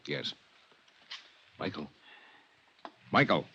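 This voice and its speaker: An actor playing a mild, kindly prison chaplain, a Catholic priest, speaking in a gentle, earnest, measured way in a 1950s radio drama. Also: male voice, dull audio, slight background noise. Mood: gentle, subdued.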